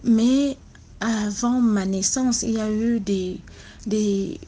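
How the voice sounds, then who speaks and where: Slow, soft-spoken Cameroonian woman. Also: medium pitch, steady tone, a little hiss or hum. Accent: Cameroonian French. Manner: speaks softly and slowly, with many hesitations. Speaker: caller sharing a story. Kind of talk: personal testimony, slow and deliberate.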